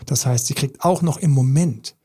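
A man's voice: medium pitch, normal speed, warm tone, breathy edge. A man, a relationship coach giving an emphatic, intense podcast monologue full of repetition.

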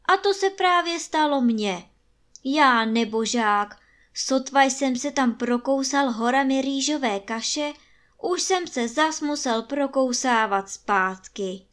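A woman doing a boastful tall-tale gentleman. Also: high voice, expressive, pitched above the performer's own voice. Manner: emphatic, indignant. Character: boastful adult male storyteller gentleman. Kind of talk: storybook reading.

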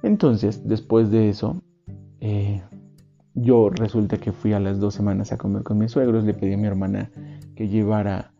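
Man, 30s, deep dark gravelly voice, earnest testimony, dull recording, faint guitar behind. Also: steady tone, moderate pace. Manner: earnest, rambling, reflective. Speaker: storyteller. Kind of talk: personal testimony.

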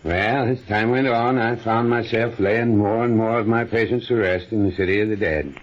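Old retired country doctor, played by a man: genial, evasive, folksy, low-pitched, on a muffled radio-play recording. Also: normal speed, close to an everyday voice. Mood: genial, reminiscing. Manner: folksy, soothing, insistent. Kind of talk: old-time radio drama acting. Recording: muffled vintage radio recording with music behind.

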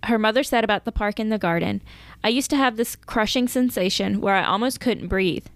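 A woman's voice: medium pitch, a little fast, dry recording. A woman co-hosting a true-crime podcast, reading out case details and chatting casually. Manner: reads case notes, breaks into laughter. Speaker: podcast co-host.

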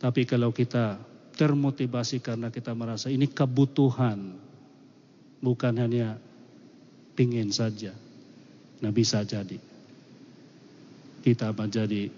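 A man's voice: mid-range voice, dark tone, a little hiss or hum. A man preaching informally in a conversational sermon style, explaining with everyday examples. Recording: echoey hall, dull muffled sound.

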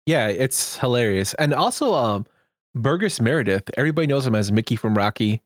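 A man co-hosting a podcast, reading out film credits and then chatting about movies in a relaxed way. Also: medium pitch, fairly quick, no room sound, studio quality. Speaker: podcast co-host. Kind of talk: casual movie chat.

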